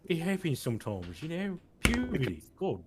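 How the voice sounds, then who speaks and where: A man's voice: on the high side, huge pitch swings, normal speed, very noisy. A man playing a tabletop game, chatting casually and joking as he plays.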